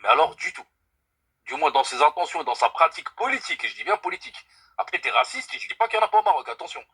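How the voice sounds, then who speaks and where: A man's voice: fairly high pitch, very animated, racing, bright, forceful tone, breathy edge. A young man from France calling in to a live stream, speaking earnestly and emphatically and swearing by God to stress his points. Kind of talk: casual debate call.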